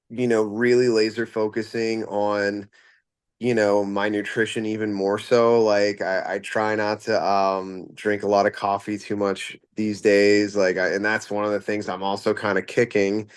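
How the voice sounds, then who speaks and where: Smooth low-voiced male rock singer. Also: no room sound. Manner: rambling, many fillers and restarts. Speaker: band frontman, singer. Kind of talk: casual interview answers.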